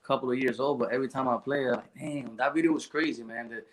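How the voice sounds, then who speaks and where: Male podcast host, easygoing chatty storyteller, middle pitch. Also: fast talker. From Puerto Rico. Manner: relaxed storytelling with fillers and restarts. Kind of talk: casual chat.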